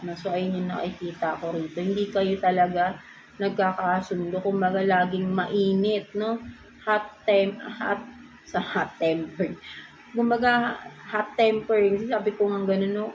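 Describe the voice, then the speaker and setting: Filipino-accented woman, casual tarot reader, chatty, keeps tagging "no?", mid pitch, noisy background. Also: darkish tone. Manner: chatty, ends nearly every phrase with a questioning "no?". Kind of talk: casual tarot reading, mixing Tagalog and English. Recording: clear background noise.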